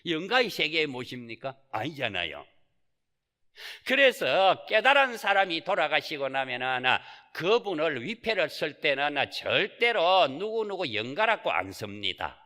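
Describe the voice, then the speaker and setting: A man's voice: fairly high pitch, sing-song, measured pace, bright, forceful tone. A man, a Buddhist monk, giving a Sunday Dharma talk with rhetorical questions and folksy asides. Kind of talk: sermon. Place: temple hall. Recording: reverberant temple hall.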